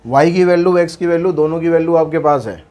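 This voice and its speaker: A man's voice: a little high, fast, a little mellow. A man teaching maths, walking through worked problems in a chatty way with asides and jokes. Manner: chatty, mixes English terms into speech, light jokes.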